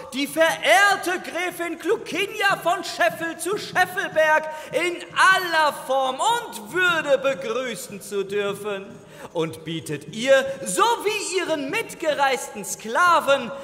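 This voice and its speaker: An excitable, pompous male first servant in a fairy-tale audio comedy. His ceremonial proclamations are bright and piercing, swooping widely in pitch. They ring through a long, echoing hall. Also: exaggerated voice. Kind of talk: comic fairy-tale audio drama acting.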